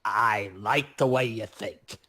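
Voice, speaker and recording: A man's voice: lowish voice, takes it slowly, sharp tone, exaggerated voice. A man voicing a cheeky, wisecracking goblin demolitionist in a tabletop role-playing game, flippant and casual. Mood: wry, casual.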